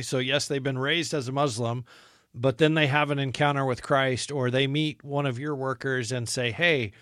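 A man's voice: medium pitch, fairly bright tone, no echo, studio quality. A man hosting a faith interview, speaking in a conversational, encouraging way with frequent fillers and repeats. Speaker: radio show host.

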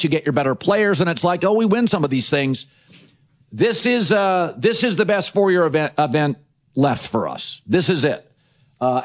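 A middle-aged man hosting a sports talk show, giving brash, emphatic opinions in short punchy sentences. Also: a little high.

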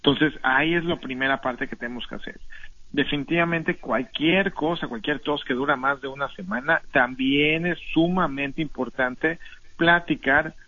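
A man speaks as a doctor on a call-in radio show, patiently explaining advice and repeating phrases as he works through a point. His voice is bright and husky. The broadcast sound is dull and lo-fi. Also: mid-range voice, normal speed, dry recording. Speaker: doctor guest.

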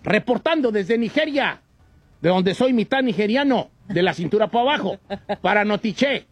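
A man's voice: sits high, lively intonation, moderate pace, breathy edge, no room sound. A man doing a folksy old Mexican ranchero. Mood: joking. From Michoacán, Mexico. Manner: rambling, joking, slangy, stumbles over words. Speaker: co-host presenting comic news. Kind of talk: comic radio news segment.

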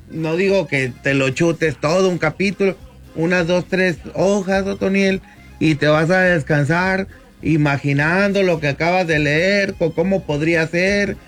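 Brief: male lawyer, 50s, radio guest, measured explainer, slightly high voice, soft music bed underneath. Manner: measured, explanatory, often addresses the host by name. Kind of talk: radio talk segment. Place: radio studio booth.

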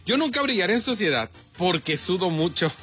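A man's voice: sits high, big pitch swings, fairly quick, fairly bright tone, slightly rough, soft background music. A man, co-hosting a comedy talk show, reading listener comments in a casual, playful way. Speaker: co-host.

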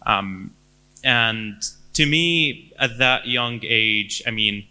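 A man in his thirties from Syria with a Syrian accent, answering interview questions in a halting way with many fillers and restarts. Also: medium pitch, pushed and bright, smooth. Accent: Syrian Arabic. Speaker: guest.

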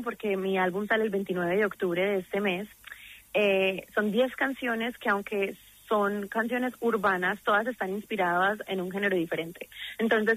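A woman's voice: mid-range voice, fairly bright tone, no room sound, rough recording. A young woman from Medellín with a paisa Colombian accent, a singer talking earnestly and effusively in a promotional interview. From Medellín, Colombia; grew up in the United States. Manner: earnest and effusive, frequent restarts. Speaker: singer guest.

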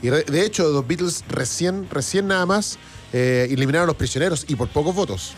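A Chilean man hosting a casual radio music show, talking with enthusiasm and halting restarts. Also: fairly high pitch. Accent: Chilean Spanish. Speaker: radio host. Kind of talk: casual radio chat reading listener comments.

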